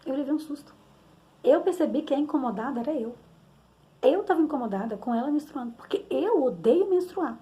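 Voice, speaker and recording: Candid Brazilian mother, mellow higher voice. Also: lively intonation, a little fast. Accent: Brazilian Portuguese. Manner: candid, rambling storytelling with frequent tag questions. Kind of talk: personal testimony, conversational.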